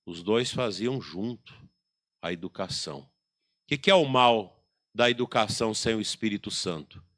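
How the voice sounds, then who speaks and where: A man's voice: fairly low pitch, moderate pace, fairly bright tone. A man preaching a sermon as a bishop, telling stories and acting out scenes from family life.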